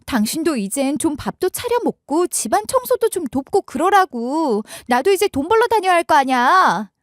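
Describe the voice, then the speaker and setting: An evasive middle-aged wife fumbles through her excuses and then pushes back in a story reading, as a woman narrator puts her on. Her voice sits high and lively, and the recording is dry and close. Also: moderate pace, no echo. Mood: indignant. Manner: flustered, stammering excuses. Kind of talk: scripted audiobook dialogue.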